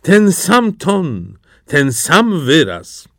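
A man voicing a sentimental, doddering old courtier who speaks slowly and wistfully, in a children's fairy tale. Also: on the high side, wildly swooping pitch, no room sound, studio quality, voice pushed up, exaggerated voice.

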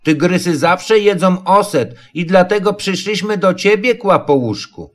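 A man voicing a kind, simple-minded teddy bear in a storybook reading, gentle and earnest. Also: sits high, a little slow, echoey room, in a large hall, recorded from a distance, voice pushed up. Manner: gentle, earnest, sing-song.

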